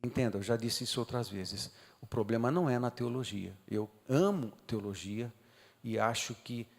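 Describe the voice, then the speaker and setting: A Brazilian man preaching a sermon, telling a story with feeling and swinging from quiet low talk to loud high cries. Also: moderate pace, creaky, in a large hall. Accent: Brazilian Portuguese. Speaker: pastor. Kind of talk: sermon testimony. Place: church hall.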